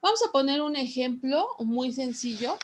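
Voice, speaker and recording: A woman teacher dictating a lesson to students, repeating phrases in a slow, deliberate way. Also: high-pitched, animated, a little hiss or hum.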